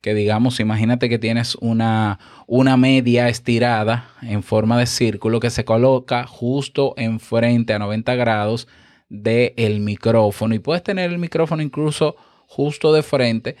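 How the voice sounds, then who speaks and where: A man hosting a podcast lesson, explaining with animated energy and often checking in with the listener on a close microphone. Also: medium pitch, a little slow, dry recording. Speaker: podcast host and instructor. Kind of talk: instructional podcast talk. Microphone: close studio microphone with compressor.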